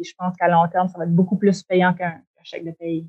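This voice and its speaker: A woman's medium-pitched, somewhat breathy voice. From Acadian New Brunswick, Shippagan. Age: 30s. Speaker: multidisciplinary artist and comedian. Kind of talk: casual interview.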